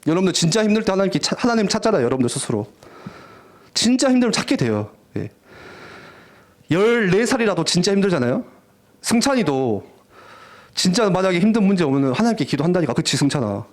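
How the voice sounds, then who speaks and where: Animated high-voiced youth preacher man. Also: fast, long pauses. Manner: animated storytelling, acting out teen voices. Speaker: youth pastor. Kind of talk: lively youth sermon.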